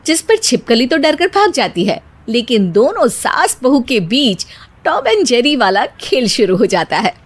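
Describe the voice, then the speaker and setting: Woman narrator, cartoon storybook, steady telling, slightly high voice. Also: a little slow.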